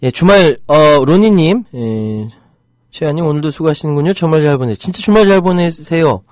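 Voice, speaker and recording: A middle-aged man hosts a live internet talk show, swinging between indignant rants and light joking with his listeners. His pitch rises and falls a great deal as he talks. The sound is close and dry, with no room to it. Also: expressive, brisk, darkish tone, no room sound. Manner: heated, indignant outbursts about rights; chatty, jokey with commenters. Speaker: internet radio host reading listener comments.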